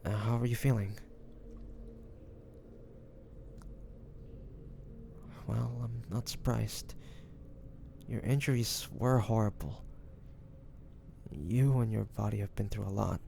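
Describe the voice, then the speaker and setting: A man's voice: lowish voice, measured pace, long pauses, mellow, slight background noise. A man playing a devoted, anxious young man caring for a wounded loved one, tender and hesitant, in a romantic audio roleplay. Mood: relieved, loving. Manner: tender, hesitant, breathy sighs, addressing the listener. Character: devoted, anxious young man tending his wounded dragon-shifter beloved.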